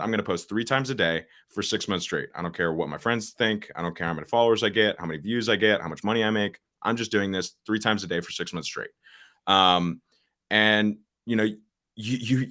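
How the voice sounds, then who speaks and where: A man in his late teens, a social media coach, speaking as a podcast guest in a straightforward way, with many fillers and restarts. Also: fairly bright tone. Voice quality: deep voice. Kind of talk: casual podcast interview.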